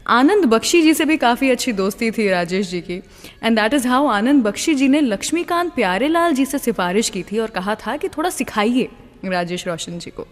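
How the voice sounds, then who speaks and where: A woman's voice: on the high side, long reverb tail. A woman with an Indian accent hosting a music radio show in a conversational storytelling style, mixing in English phrases.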